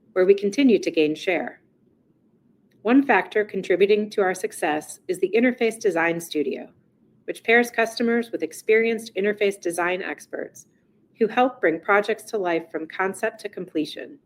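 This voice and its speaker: A woman chief executive reading a scripted earnings presentation in a formal, measured corporate manner. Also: medium pitch.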